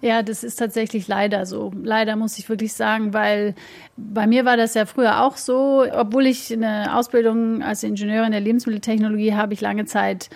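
A woman's voice: medium pitch, level tone, moderate pace, gravelly. A woman whose first language is English, a food blogger answering radio interview questions thoughtfully, searching for words with fillers. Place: on location by a lake.

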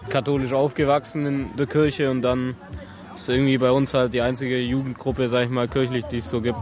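Guy about twenty, pretty monotone, thinks out loud in a park interview. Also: mid-range voice, fairly quick, soft background music. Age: 20s. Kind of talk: interview answers. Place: outdoors in a park.

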